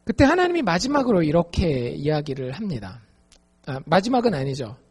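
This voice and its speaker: A woman preaches to her congregation with lively, swooping intonation and a slightly husky edge. She turns to the listeners often and acts out the quoted lines with feeling. Her voice rings through a church hall with a long reverb. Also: low voice, normal speed. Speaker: pastor. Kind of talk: sermon. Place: church sanctuary.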